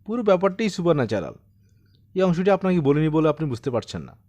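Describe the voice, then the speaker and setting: A man's voice: a little high, very animated, quick pace, a little mellow. Audiobook role: troubled man of sixty-seven, self-deprecating yet insistent, telling his eerie tale, played by a male reader. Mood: agitated, insistent. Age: 60s. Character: troubled 67-year-old man recounting his eerie haunting. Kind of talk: dramatised audiobook storytelling.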